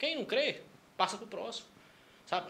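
A man speaks in a raised, projected voice. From Goiás, Brazil. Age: 20s. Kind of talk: casual interview with preaching.

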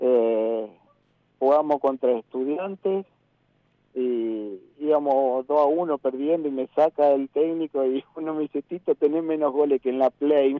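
A man with an ordinary speaking voice, fairly high in pitch, at a fairly slow pace with ordinary pitch variation. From Argentina, Santa Fe. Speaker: professional footballer. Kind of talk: casual interview. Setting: phone call.

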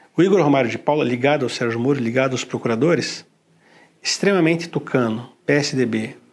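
A man with an unremarkable speaking voice talks fairly quickly, his fairly high pitch showing ordinary variation. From Brazil, Curitiba (Paraná). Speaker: investigative journalist. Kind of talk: interview testimony.

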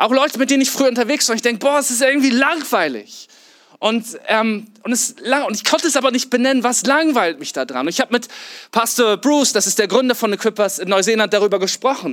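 An animated tone at a very fast pace, with ordinary pitch variation. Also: man, extremely high pitch for a man. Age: 40s. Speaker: pastor. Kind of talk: sermon.

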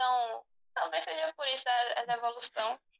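A woman's raised, projected voice with ordinary pitch variation and a dry, close sound with no echo. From Brazil, interior of Pernambuco (Northeast). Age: 20s. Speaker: K-pop fan. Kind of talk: casual interview.

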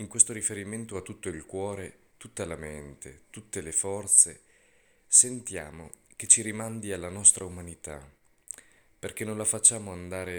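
Recorded very cleanly with a silent background, a man with a very deep, low pitch speaks at a moderate pace with ordinary pitch variation. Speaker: prayer leader, religious figure. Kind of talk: fervent spoken prayer addressed to God, devout and meditative, in the first person plural.

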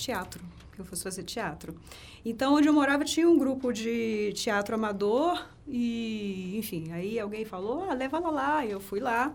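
Fairly high female voice, intonation rising and falling in a lively way, room echo clearly audible. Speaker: singer. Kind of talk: interview.

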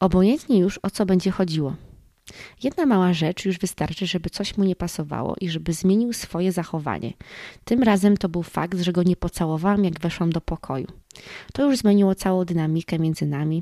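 Dark and mellow, a woman's voice moves at a fairly quick pace. The recording is very clean and dry, close with no echo and a silent background. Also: fairly low pitch for a woman, ordinary pitch variation. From Poland, Olsztyn. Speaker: podcast host, abuse survivor. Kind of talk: casual solo podcast talk.

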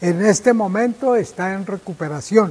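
Pitch varies in an ordinary way as this man talks at a moderate speed. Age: 60s. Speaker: church member. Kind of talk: testimony.

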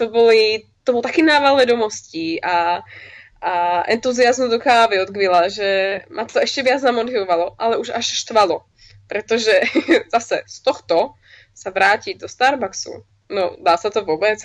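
A woman with an unremarkable speaking voice talks at a fairly high pitch. Her intonation is lively and her pace moderate. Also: big swings in loudness. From eastern Slovakia (Humenné). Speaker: barista, national barista champion. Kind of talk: interview.

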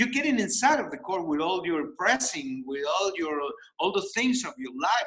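A high-pitched man with a Spanish accent at a moderate pace, with very wide pitch swings. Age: 60s. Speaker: tennis instructor. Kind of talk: interview. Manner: halting.

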